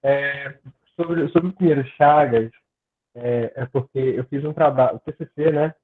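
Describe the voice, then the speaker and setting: A man's voice: medium pitch, a little slow. A young man, a graduate student earnestly explaining his research on a video call and stumbling over words now and then. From Pará, Brazil. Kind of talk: academic discussion on a video call. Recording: tinny phone-like call audio.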